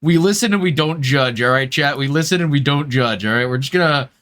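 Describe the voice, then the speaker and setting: A man's voice: fairly high pitch, a little fast, a bit bright. A man hosting a live gaming stream, chatting casually and jokingly with his viewers in slangy language. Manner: jokey, slangy, swears casually. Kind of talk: casual livestream chat with viewers.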